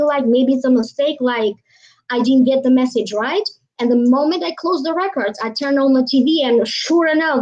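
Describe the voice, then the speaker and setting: High-voiced woman on a lo-fi stream. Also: a little mellow. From Albania. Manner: rambling, many fillers and trailing phrases. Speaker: psychic reader hosting a live stream. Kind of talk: casual live-stream talk. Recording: dull lo-fi live stream audio.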